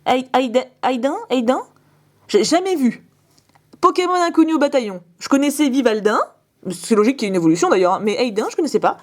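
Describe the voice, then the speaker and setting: A young woman vlogger opening fan mail in casual chat, gushing with quick exclamations and asides. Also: high-pitched, animated.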